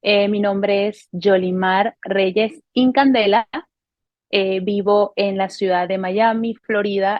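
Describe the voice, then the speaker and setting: A woman's voice: mid-range voice, no echo, muffled recording. Earnest woman telling her faith story. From Venezuela. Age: 30s. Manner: earnest, unhurried, with frequent hesitations and self-corrections. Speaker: testimony speaker. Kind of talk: personal faith testimony to camera. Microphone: camera recording.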